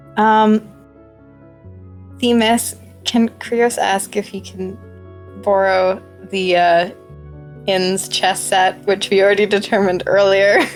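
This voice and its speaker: Over music in the background, a woman with a slight Canadian accent speaks very slowly at a medium pitch, her intonation monotone and flat, leaving long, frequent pauses. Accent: slightly Canadian. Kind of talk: mostly neutral speech.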